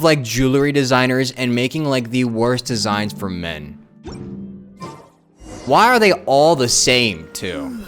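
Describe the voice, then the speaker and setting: A male streamer talks casually over a game. His voice is smooth and medium in pitch, and he repeats phrases to stress his points. Faint music sits behind him. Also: a bit bright. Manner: informal, repeats phrases for emphasis. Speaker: live streamer.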